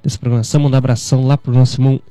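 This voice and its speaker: A man in his thirties with a Brazilian Portuguese accent, hosting a devotional radio talk in a conversational, gently preaching way, often tagging lines with "né". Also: mid-range voice, flat delivery, rapid-fire, dry recording. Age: 30s.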